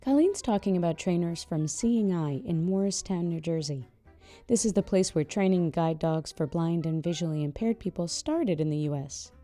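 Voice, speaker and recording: A woman narrating a podcast in a calm, measured, scripted way. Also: on the low side, soft background music.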